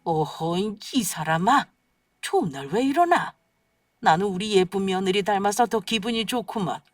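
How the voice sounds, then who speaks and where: A woman voicing a genial older father-in-law in a radio story, gently chiding and doting. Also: medium pitch, animated, moderate pace, no echo, distant mic, lightly acted.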